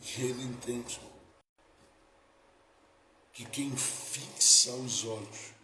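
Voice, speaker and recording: Brazilian pastor preaching in an echoey hall. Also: male voice, medium pitch, fairly even intonation, extremely slow, slight background noise. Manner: rising to emphatic build-ups, then dropping soft. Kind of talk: sermon. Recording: echoey room, faint ambience.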